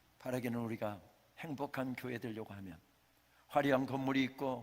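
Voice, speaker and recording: A man is shouting. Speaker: guest preacher. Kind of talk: sermon. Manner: loud, shouting.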